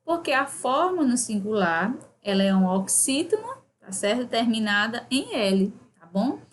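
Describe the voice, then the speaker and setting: A woman's voice: on the high side, very animated, normal speed, a little hiss or hum. A woman with a Brazilian Portuguese accent, teaching a seventh-grade grammar lesson, reading exercises aloud and checking in with frequent "né?" tags.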